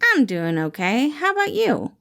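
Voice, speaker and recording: A woman's voice: sits high, huge pitch swings, normal speed, creaky, fairly bright tone, pitched above the performer's own voice, exaggerated voice. A woman voicing a nervous, eccentric young man who talks in a hesitant, awkward way.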